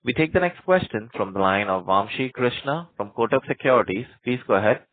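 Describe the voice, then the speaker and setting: A man's voice: mid-range voice, lively intonation, a little fast, dry recording. A man, the call operator, formally introducing each next questioner. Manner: formal, scripted. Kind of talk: call moderation. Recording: tinny phone line.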